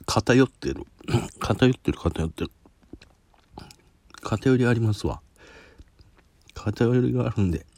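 A man with a Kansai Japanese accent reviews a spicy snack on his solo podcast, sweating and with a runny nose. His fairly low voice is a little mellow with a breathy edge, recorded without echo. He's chatty and self-deprecating, sniffling as he eats.

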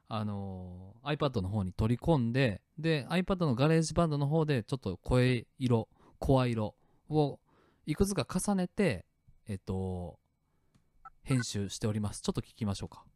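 A man hosting his own show, chatting in a relaxed way about the sound effects he made. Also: medium pitch, moderate pace, no room sound, studio quality. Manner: relaxed and chatty, many fillers, starts and stops clips. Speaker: podcast host. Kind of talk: casual solo talk explaining his sound effects. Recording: faint music clips playing behind.

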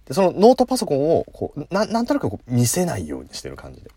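A man's voice: a little high, wildly swooping pitch, rapid-fire, mellow, breathy edge, dry recording, studio quality. A man casually telling a funny story on his solo talk show, laughing at his own jokes. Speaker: podcast host. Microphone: phone app recording.

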